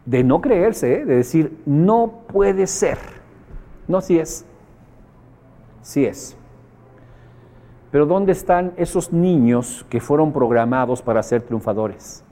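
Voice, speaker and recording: A man's voice: a little high, lively intonation, slow, long pauses, mellow. A man with a Mexican accent giving a motivational seminar talk to a group. He speaks colloquially and emphatically, repeats phrases for effect and puts questions to his audience.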